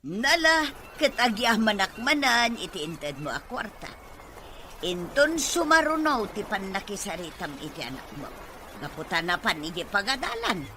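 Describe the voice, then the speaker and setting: A woman's voice: medium pitch, sing-song, moderate pace, noisy background, close to an everyday voice. A woman playing a grumbling, money-minded Filipino grandmother who likes to gamble, in an Ilocano audio drama. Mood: eager.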